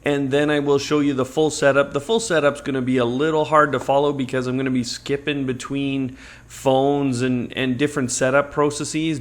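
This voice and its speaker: A man hosting a product review, explaining things step by step in a conversational unboxing and tutorial style. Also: medium pitch.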